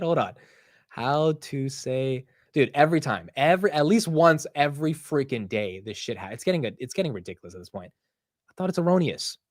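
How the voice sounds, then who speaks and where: A man's voice: on the high side, no echo, clean studio sound. A young American man hosting a casual market livestream, ranting with profanity and poking fun at himself. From United States. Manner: animated, ranting, profane and self-mocking. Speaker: livestream market show host.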